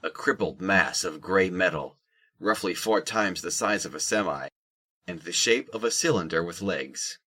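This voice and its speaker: A man reads scripted narration for an audio drama. His voice is low and bright, with clear forward projection as he describes the action. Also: expressive, moderate pace.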